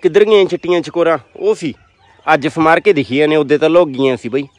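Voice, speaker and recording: A man's voice: a little high, fast talker, dry recording. A man chatting casually as he films a vlog at a poultry farm. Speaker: vlogger filming a poultry farm visit. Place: open-sided brick poultry shed and yard. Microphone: handheld phone, behind the camera. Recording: birds clucking, outdoor farm noise. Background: chickens clucking, roosters.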